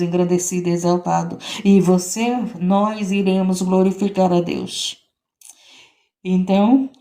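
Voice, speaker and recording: A woman's voice: lowish voice, warm tone. A woman missionary preaching a fervent sermon, repeating phrases and building emphasis. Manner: fervent, repetitive exhortation with rising emphasis.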